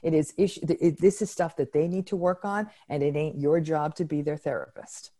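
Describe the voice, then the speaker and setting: A woman answering interview questions as a psychologist, articulate and frank with lively emphasis. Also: low-pitched, a little fast. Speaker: psychologist guest.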